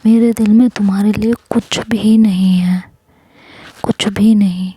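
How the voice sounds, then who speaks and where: A woman's voice: mid-range voice, steady tone, measured pace, mellow, husky, low-quality recording. A woman voicing an exasperated young woman who pleads to be left alone by her ex. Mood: exasperated pleading. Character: young woman pushing away a clingy ex, exasperated.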